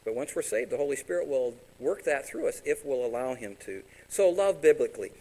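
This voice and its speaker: A man preaching a sermon as pastor, animated and direct, sometimes voicing imagined congregants. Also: mid-range voice, fairly quick, low-quality recording.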